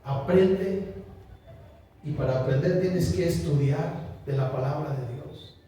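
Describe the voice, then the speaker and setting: A pastor preaching a conversational sermon, asking the congregation questions and joking with them. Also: male voice, a little high, slow pace, dark tone. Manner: chatty, asks the congregation questions, jokes. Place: small church. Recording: echoey church room, distant mic, faint noise.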